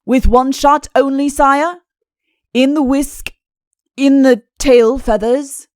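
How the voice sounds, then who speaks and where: A woman voicing a pompous, fussy fairy-tale king and doting father in a comic audiobook, with mock-innocent, deliberate phrasing. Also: sits high, fairly even intonation, a little mellow, dry recording, studio quality, voice pushed up. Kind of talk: audiobook comic character acting.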